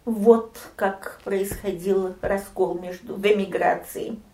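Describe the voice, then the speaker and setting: An older woman recounting family memories in an interview, storytelling with lively swings and soft near-whispered asides. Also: mid-range voice, slow, roomy sound. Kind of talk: oral history reminiscence.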